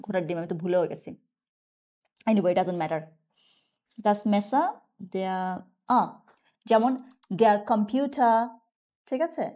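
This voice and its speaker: A woman giving a casual online German lesson. She chats freely, keeps asking "okay?", and says her example sentences slowly and carefully. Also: medium pitch, warm tone. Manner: chatty, asks "okay?" often, slow careful example sentences. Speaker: German teacher.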